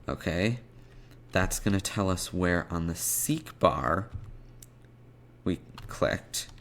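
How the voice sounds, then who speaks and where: A man with a voice that sits low narrates a casual, step-by-step coding screencast, thinking aloud haltingly as he types. Keyboard typing and clicks come through clearly as background noise.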